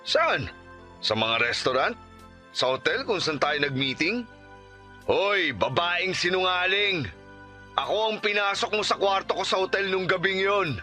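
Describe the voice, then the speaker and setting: A man's voice: high voice, expressive, measured pace, pushed and bright, soft background music, heavily acted. An actor playing an arrogant, menacing rich male boss in a radio drama, contemptuous and bullying. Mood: contemptuous anger. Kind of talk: Tagalog radio drama acting.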